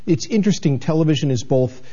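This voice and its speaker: Speaking fast and expressively in a somewhat high but mellow, dark voice, a sixty-something TV station manager from New England rambles earnestly through his story as an interview guest. He keeps restarting and filling pauses, and the audio comes across a bit muffled and dull.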